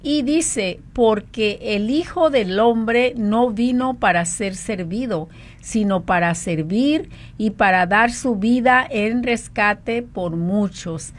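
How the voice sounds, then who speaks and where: Mujer fervorosa rezando por la radio. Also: female voice, mid-range voice, takes it slowly. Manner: fervent praying, many fillers. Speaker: radio show host. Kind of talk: Christian radio talk and prayer.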